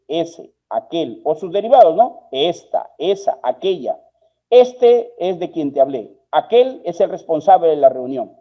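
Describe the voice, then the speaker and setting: A man's voice: on the high side, dull audio. A man from Peru teaching a live online workshop on spelling rules, patiently explaining and answering viewers' questions by name. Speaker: spelling and writing instructor.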